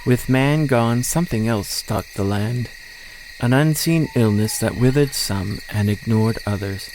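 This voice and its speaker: A man's voice: mid-range voice, measured pace, darkish tone, slight background noise, rough recording. A man reading a scripted story as the narrator of an audio drama. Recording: faint outdoor nature ambience.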